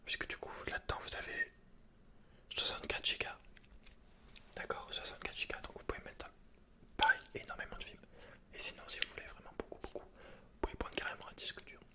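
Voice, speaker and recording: Whispering close to the mic, a young Frenchman-accented performer takes on the role of a shy, awkward computer shop keeper for ASMR. His soft, breathy voice comes out hesitant and halting. The setting is indoors, with a dark backdrop behind him.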